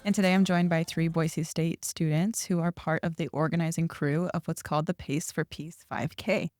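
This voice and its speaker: A woman's voice: low-pitched, fairly even intonation, moderate pace, a little mellow. A woman hosting a podcast interview, upbeat and encouraging with her guests. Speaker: podcast host. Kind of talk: hosted interview.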